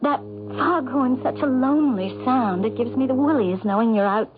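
An American actress playing an anxious, insistent wife in a 1970s radio mystery drama, earnest and emotive. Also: female voice, high voice, moderate pace, a crowd in the background, lightly acted. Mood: worried. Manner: earnest, emotive, pressing with questions. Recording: muffled phone-like radio recording with hiss.

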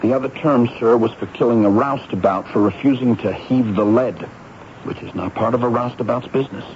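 A man's voice: mid-range voice, a little fast, natural voice. Subdued young prisoner played by a man, muffled recording. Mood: subdued, formal. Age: young adult. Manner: formal, deferential. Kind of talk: 1970s radio drama acting. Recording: dull radio recording with faint noise.

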